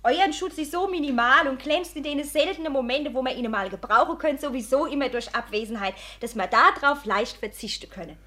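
Kecke hessische Tochter, sehr hohe Stimme. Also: female voice, high voice, brisk, hardly any pauses, bright, forceful tone. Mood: combative, defiant. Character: feisty, argumentative young daughter. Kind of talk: 1950s radio family comedy acting.

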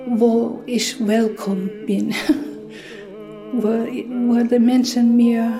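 A woman with a foreign accent, speaking reflectively and haltingly, searching for her words. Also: fairly high pitch, little pitch movement. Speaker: interviewee in a radio documentary. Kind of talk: reflective conversational talk. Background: music.

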